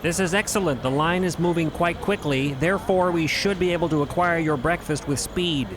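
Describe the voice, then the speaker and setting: A performer voicing a brisk, cheerful artificial being with precise, formal diction in an audio drama. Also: medium pitch, background noise, natural voice. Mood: satisfied, brisk.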